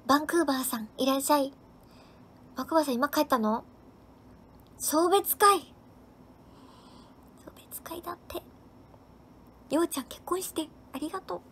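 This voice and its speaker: A woman's voice: high-pitched, breathy edge. A woman hosting a casual live stream, cheerfully reading out viewers' comments and thanking each of them by name. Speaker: livestream host.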